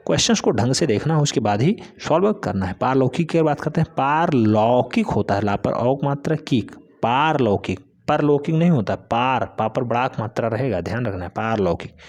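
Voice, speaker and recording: A man's voice: medium pitch, animated, moderate pace, darkish tone. Man drilling spellings in a lesson. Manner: repeats each word several times, calls students "beta"; drill-like, emphatic correction. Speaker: teacher. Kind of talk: exam-prep spelling lesson.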